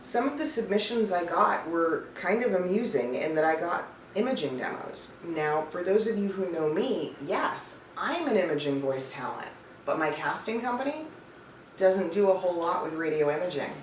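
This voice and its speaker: A woman's voice: fairly low pitch, lively intonation, moderate pace. A woman giving emphatic, blunt, conversational advice as a coach, talking straight to her viewers. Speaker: voice-over coach and casting professional. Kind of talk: direct-to-camera advice video, tips list. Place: indoor room with a cat nearby. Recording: roomy, distant mic, some background noise.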